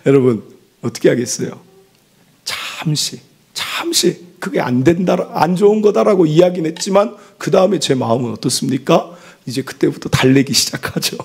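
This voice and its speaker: A man's voice: on the high side, lively intonation, moderate pace, creaky, darkish tone, slightly rough. A man in his thirties preaching a sermon as pastor, asking the congregation questions and building to impassioned peaks.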